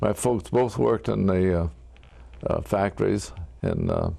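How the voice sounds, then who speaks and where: A man with a New England accent speaks in a dark, mellow tone with vocal fry. He moves at a fairly slow pace with very wide pitch swings. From Connecticut (Bristol). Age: 80s+. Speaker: war veteran, retired fire chief. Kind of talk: interview. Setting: TV studio. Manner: halting.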